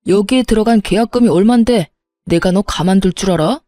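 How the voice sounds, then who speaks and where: A woman's voice: medium pitch, a little fast, no room sound, natural voice. A woman voicing a desperate, pleading husband. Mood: angry. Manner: begging, then shouting and threatening. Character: pleading, hot-tempered young husband. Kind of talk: storybook narration with acted dialogue.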